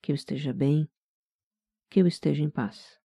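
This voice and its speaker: Leading a guided meditation at normal speed, a Brazilian-accented speaker uses a mid-range voice that is very dark and velvety but also gravelly and husky. The delivery is calm, gentle and soft, like scripted relaxation narration. The sound is close and dry, with no room sound.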